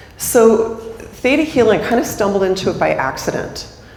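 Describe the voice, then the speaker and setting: There is audible room echo and noticeable background noise. A woman speaks at a moderate pace with lively intonation. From US Upper Midwest (Minnesota). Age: 60s. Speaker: keynote speaker and money mindset coach. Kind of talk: conference talk.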